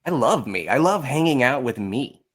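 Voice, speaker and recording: A man's voice: mid-range voice, big pitch swings, moderate pace, fairly bright tone. An American man in his thirties, talking casually as a podcast guest, informal and given to acting out examples. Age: 30s. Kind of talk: casual conversational talk.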